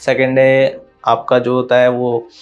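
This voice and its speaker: With music playing behind him, a man talks in a monotone, flat way at a medium pitch. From Uttar Pradesh, India. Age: 20s. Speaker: hair transplant patient. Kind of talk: testimonial.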